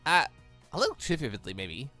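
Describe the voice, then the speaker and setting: A YouTube gaming host reads a visual novel aloud in a lively read-along, his bright, forceful voice swinging widely in pitch at a slightly fast pace. He's animated and rambling, slipping between reading lines and reacting with personal asides. Faint music plays behind him.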